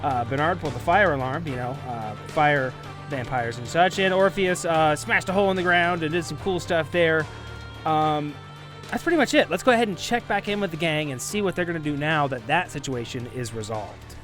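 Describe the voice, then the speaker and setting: A man's voice: a little high, a little fast, a bit bright. A man hosting a podcast, giving a casual, conversational intro and recap. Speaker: podcast host. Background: music.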